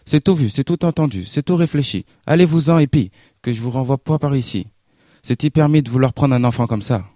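A man reading a story aloud, voicing an angry, blunt farm wife who loudly refuses an offer in rustic speech. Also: mid-range voice, fairly quick, no echo, clean studio sound, voice pushed up, lightly acted. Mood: furious. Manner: loud, indignant rustic speech.

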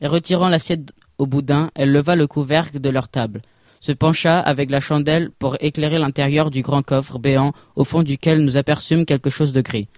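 A man reads a classic tale aloud in a measured, literary manner. His voice sits slightly high for a man. The sound is close and dry, with no room around it. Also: steady tone, a little mellow, no room sound. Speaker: narrator. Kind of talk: scripted narration of a classic story.

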